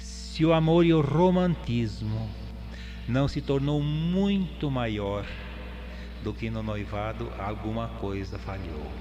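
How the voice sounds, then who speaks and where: A man speaks very slowly, leaving long, frequent pauses. Music plays behind him, and the room echo is audible. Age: 70s. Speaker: psychologist and lecturer. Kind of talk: radio interview.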